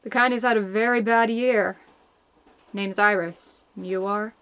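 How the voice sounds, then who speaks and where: A woman's voice: medium pitch, fairly even intonation, measured pace, a bit bright, clear, resonant tone. A woman playing a hard-drinking, sardonic spy in an audio drama, blunt and brash, grieving a lost love. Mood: curt, dry. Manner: sardonic, blunt, foul-mouthed.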